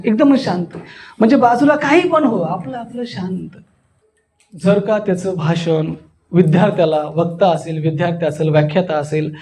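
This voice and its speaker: A man's voice: sits high, darkish tone. A man from Maharashtra leading a spoken workshop as a voice trainer, demonstrating theatrically and putting questions to his students. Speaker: voice modulation trainer, anchor and voice artist.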